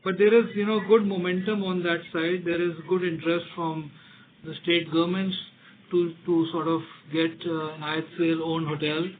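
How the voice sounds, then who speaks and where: A man's voice: on the high side, flat delivery, moderate pace. A man with an Indian accent answering investors as a company executive on an earnings call, often repeating words as he explains. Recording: tinny phone line with background noise.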